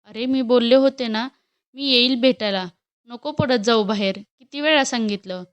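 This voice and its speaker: A woman reading a storybook who voices a gentle, protective young woman, speaking in a soothing, pleading way. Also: a little high, moderate pace, smooth, no room sound, dull audio, natural voice.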